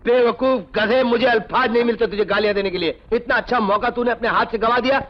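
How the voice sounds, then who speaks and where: A bossy villainous landlord. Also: male voice, very high voice, fairly even intonation, fast talker, highs cut off. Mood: scolding. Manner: bossy, scolding, barking orders. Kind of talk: 1980s film villain acting.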